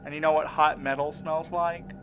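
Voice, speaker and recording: A man acting in an audio drama as a shaken, insistent man recounting a frightening ordeal in a halting, earnest way. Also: fairly high pitch, little pitch movement, fairly bright tone, a little hiss or hum. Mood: shaken, urgent.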